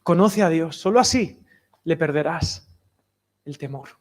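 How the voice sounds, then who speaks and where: A man preaching a sermon in a lively, conversational way, often dropping to soft, near-whispered lines. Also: a little high, unhurried. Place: outdoor summer cinema.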